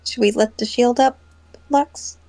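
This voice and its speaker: A woman playing a tabletop game, trying to calm the other players. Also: a little high, unhurried, no echo, soft background music.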